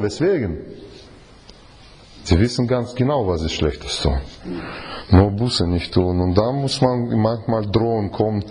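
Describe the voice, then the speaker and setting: A man's voice: lowish voice, mellow, slight background noise. A man gives an informal sermon to a Bible study group, often restarting and asking rhetorical questions. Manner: halting, many restarts and fillers, asks rhetorical questions. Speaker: preacher leading a Bible study.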